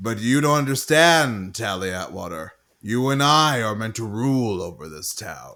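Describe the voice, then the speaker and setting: Using a booming, put-on character voice, a man speaks at a moderate pace with medium pitch and lively intonation in a very clean recording with a silent background. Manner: grandiose, commanding.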